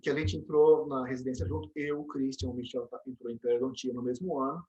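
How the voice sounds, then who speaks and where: A middle-aged Brazilian man being interviewed, telling animated stories with frequent restarts and tag questions. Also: medium pitch, fast talker, muffled recording. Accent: Brazilian Portuguese. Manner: storytelling, animated, many restarts and "né?" tags. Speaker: interview guest, dentist and program director. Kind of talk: casual interview conversation.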